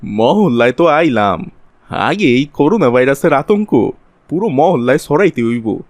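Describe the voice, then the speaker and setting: A man's voice: medium pitch, big pitch swings, normal speed, a little hiss or hum. A man playing a scheming city profiteer in a cartoon, with a Bangladeshi accent and a wheedling, colloquial, exaggerated way of talking. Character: scheming city man, sly profiteer spreading virus panic. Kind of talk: Bengali cartoon voice acting.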